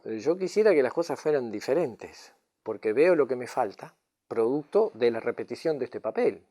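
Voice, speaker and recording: Man, spiritual teacher, mid-range pitch, relaxed dark tone, reflective teaching talk. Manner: tags lines with questioning "mm?" and "no?" to check understanding.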